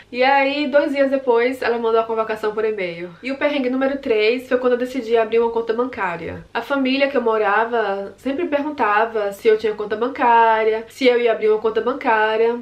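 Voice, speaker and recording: A woman's voice: fairly high pitch, highs cut off. A young woman from Brazil casually recounting her mishaps abroad in a vlog, acting out her own reactions in quotes. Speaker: vlogger.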